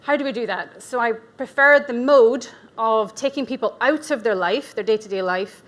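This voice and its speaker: A woman's voice: a little high, moderate pace. A woman in her forties with a Scottish accent, giving a conference talk as a nutrition practitioner. She speaks chatty and candid, with asides and self-deprecating humour. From Scotland. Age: 40s. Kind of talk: conference presentation. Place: event venue.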